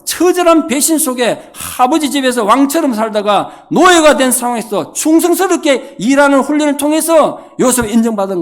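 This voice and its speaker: A middle-aged man, preaching a revival sermon and telling stories, acting out the quoted lines. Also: sits high. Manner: animated storytelling, acting out quotes. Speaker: pastor.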